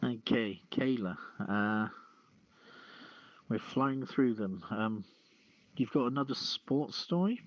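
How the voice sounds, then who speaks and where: A man hosting a news podcast, reading stories and adding casual asides in a halting delivery. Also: mid-range voice, expressive, dry recording. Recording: dull lo-fi audio.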